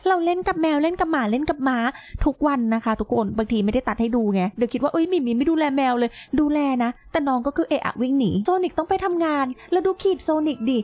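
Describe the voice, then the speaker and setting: A woman with a high voice gives casual, playful commentary over her game. She chats away to her audience and coos at the characters she controls. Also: lively intonation, fast, hardly any pauses, darkish tone, no room sound. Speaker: gameplay commentator.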